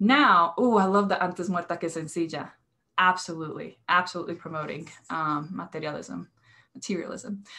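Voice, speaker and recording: A woman talks at a fairly quick pace with a fairly low pitch, ordinary pitch variation and a bright, sharp tone. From Colombia. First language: Spanish. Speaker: mental health counselor; presenter. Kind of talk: webinar presentation. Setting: video call. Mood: warm, moved in last clip. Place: home room. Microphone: webcam.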